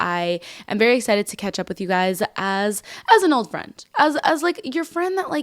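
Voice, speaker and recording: On a very clean recording with a silent background, a woman speaks at a moderate pace. Her fairly high voice sounds energetic and swings very widely in pitch. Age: 20s. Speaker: podcast host, content creator. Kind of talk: casual podcast talk. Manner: energetic, chatty.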